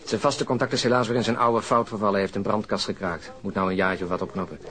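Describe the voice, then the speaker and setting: An actor playing a hearty, bantering fat police detective in a radio drama. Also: male voice, fairly low pitch, fairly even intonation, fast talker, a bit bright, close to an everyday voice. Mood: wry. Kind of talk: naturalistic Dutch radio drama acting.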